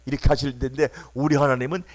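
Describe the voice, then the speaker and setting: A man's voice: medium pitch, level tone, fast talker. A man preaching a Sunday sermon as pastor, emphatic and prompting the congregation to answer back. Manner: emphatic, calls for congregation responses, acts out quoted voices. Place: church sanctuary.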